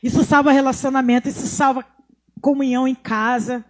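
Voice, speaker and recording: High-voiced Brazilian woman preaching. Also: steady tone. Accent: Brazilian Portuguese. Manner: conversational preaching with asides and pauses. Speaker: pastor. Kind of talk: sermon.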